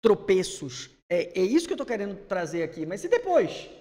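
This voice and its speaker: Energetic man in a reverberant hall. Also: high voice, normal speed. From Salvador, Brazil. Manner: energetic, emphatic, rising bursts when he gets worked up. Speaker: speaking coach. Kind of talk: instructive conversation.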